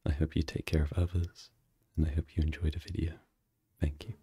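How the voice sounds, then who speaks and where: ASMR creator, male, extremely low and mellow, quietly addressing viewers in an introduction. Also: level tone, brisk, slight background noise.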